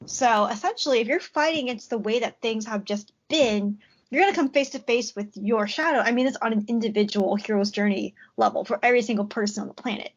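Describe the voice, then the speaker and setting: A woman with a high-pitched voice, a journalist and tarot reader talking as a podcast guest, animated and giggly, with quick bursts of speech. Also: lo-fi sound. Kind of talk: casual chat over a call. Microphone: remote call audio.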